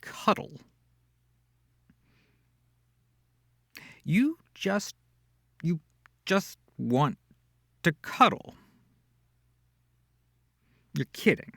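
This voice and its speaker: Man acting a smug, seductive incubus with creaky voice. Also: fairly high pitch, very animated, extremely slow, long pauses, a bit bright, dry recording, clean studio sound, full character voice. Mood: incredulous. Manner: theatrical, teasing, purring, breathy asides. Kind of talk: intimate ASMR roleplay audio.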